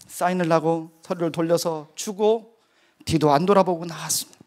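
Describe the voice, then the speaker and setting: A middle-aged man preaching a sermon testimony in a fairly high voice. He tells his story in an earnest, vivid way, speaking as a missionary to his congregation.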